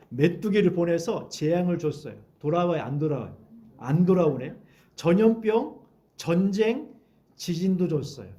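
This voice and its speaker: A male pastor delivers a sermon in a conversational, animated way. His voice sits fairly high and swings widely in pitch, and he slips in short acted-out quotes of everyday people to make his points. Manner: lively conversational preaching, acts out quoted voices.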